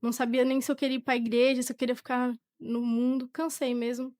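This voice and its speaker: A teenage woman with a Brazilian accent shares her personal testimony in conversation. Her voice sits fairly high, and she talks informally, often restarting her phrases. The recording is close and dry. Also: little pitch movement, brisk, darkish tone, no room sound. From Portugal, born to a Brazilian family. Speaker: podcast guest, young church singer.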